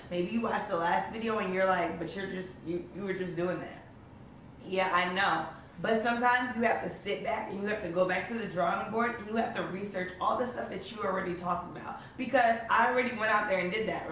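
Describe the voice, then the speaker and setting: A young woman with a hoarse, raspy voice, chatting casually in a motivational vlog, rambling and saying "like" often. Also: mid-range voice, fairly bright tone. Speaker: motivational vlogger. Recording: very echoey room, voice far from the mic, faint noise.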